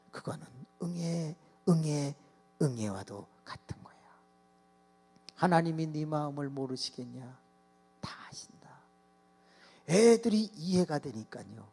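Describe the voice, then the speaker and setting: A male pastor preaches in a big church hall, his husky voice swinging from hushed whispers to loud cries as he acts out a story. A long reverb trails each phrase, and a steady mains hum sits underneath. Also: on the high side. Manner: animated storytelling, acting out children's voices and shouting. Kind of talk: sermon. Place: church sanctuary.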